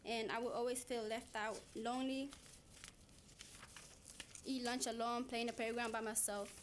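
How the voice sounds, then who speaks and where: A woman's voice: a little high, little pitch movement, moderate pace, slight background noise. A teenage girl from Somalia, giving an earnest prepared speech as a student speaker, sometimes repeating herself when stuck. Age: teens. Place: city hall chamber.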